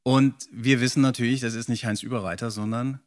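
A man's voice: mid-range voice, steady tone, fairly quick. A man hosting a casual podcast conversation in a chatty, enthusiastic way. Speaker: podcast host, interviewer.

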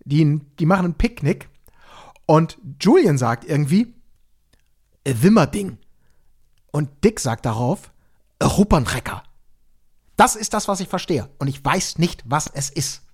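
Husky, higher-voiced man chatting. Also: lively intonation, unhurried, long pauses. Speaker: podcast co-host. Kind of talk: casual anecdotal chat.

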